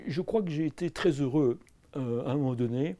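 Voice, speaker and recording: A man's voice: medium pitch, fairly quick, mellow. A middle-aged man with a Belgian French accent, an anthropology professor answering in a filmed interview, hesitant with many fillers and restarts. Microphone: camera crew sound.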